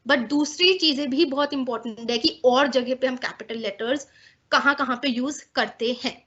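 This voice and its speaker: High-voiced woman teaching an English class. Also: moderate pace, a bit bright. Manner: explains patiently, checks in often with "theek hai?". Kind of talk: online class lesson, mixing Hindi and English. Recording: slightly dull lo-fi audio.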